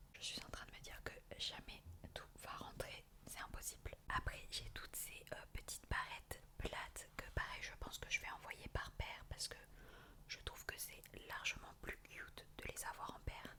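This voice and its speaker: A woman whispering at a moderate pace. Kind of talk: ASMR whispered unboxing and packing, casual talk to camera. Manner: whispered, soft-spoken.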